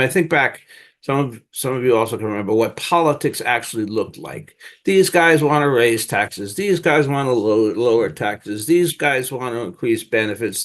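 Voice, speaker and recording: An older man, a Zen teacher, leading a dharma talk and group discussion in a halting, searching way with many restarts. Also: medium pitch.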